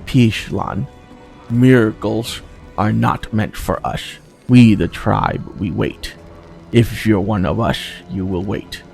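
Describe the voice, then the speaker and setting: A man's voice: lowish voice, takes it slowly, gravelly, a little mellow. A man voicing a cool, defiant female tribal hunter from a fantasy game, with a commanding manner. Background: game music.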